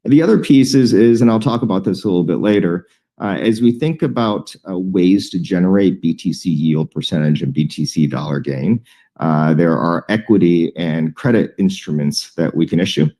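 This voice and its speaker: A man presenting financial guidance as a company executive, in a measured, deliberate way with frequent hesitant pauses. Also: deep voice, mellow. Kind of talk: earnings call presentation.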